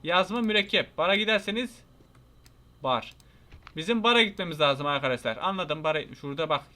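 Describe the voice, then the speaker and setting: A young man with a Turkish accent gives casual let's-play commentary, talking straight to his viewers. His voice sits high and sounds bright and forward. He jumps into excitable yelps when something startles him. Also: brisk. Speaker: gaming YouTuber.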